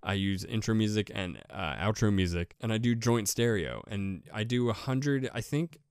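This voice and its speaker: A man with a deep voice giving a casual, rambling how-to talk as a podcaster, repeating himself with enthusiasm. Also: lively intonation, moderate pace, a little mellow, smooth, no echo, clean studio sound. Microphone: USB desk microphone with pop filter.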